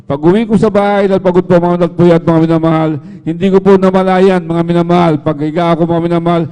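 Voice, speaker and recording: Fast-talking Filipino man giving church testimony. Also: sits high, flat delivery, mellow, clear, resonant tone, long reverb tail. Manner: addresses listeners constantly as "beloved" between phrases. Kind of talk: spoken testimony at a prayer service.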